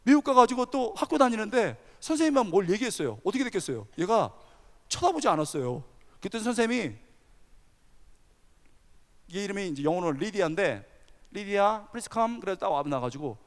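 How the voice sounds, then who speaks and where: A male pastor preaching a sermon, telling a story with animated energy and asking the audience questions. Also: high voice, a little fast, long pauses. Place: large church hall. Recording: long hall reverb.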